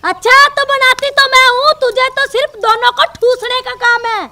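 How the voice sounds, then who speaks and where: A woman playing a shrill, bossy mother-in-law. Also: fairly even intonation, moderate pace, noisy background. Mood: scolding. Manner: taunting, threatening, bossy. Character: bossy scolding middle-aged mother-in-law. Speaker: mother-in-law in a comedy telefilm.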